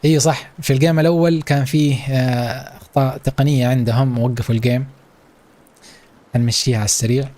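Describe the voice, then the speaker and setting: A man's voice: medium pitch, steady tone, fast, a little mellow. A man with a Saudi Arabic accent hosting a live esports watch-along stream, hyping it up and chatting playfully with his viewers.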